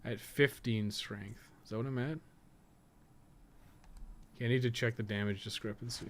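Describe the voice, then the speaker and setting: With slight background noise behind him, a man talks through gameplay casually in a mid-range, fairly even voice at a moderate pace. The podcast co-host and guide writer thinks aloud, asks himself things, and drifts into asides.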